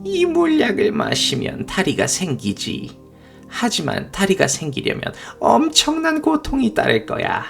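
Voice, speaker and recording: Man putting on a high, sly sea witch. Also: wildly swooping pitch, measured pace, vocal fry, faint music behind, full character voice. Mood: sly, taunting. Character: sinister sea witch, female, sly and menacing.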